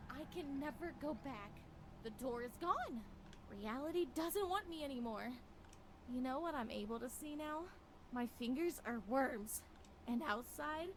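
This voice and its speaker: A woman's voice: sits high, background noise. A woman playing a deranged, vengeful, drugged wife in a horror visual novel, with a theatrical delivery. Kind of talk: dramatic visual novel voice acting.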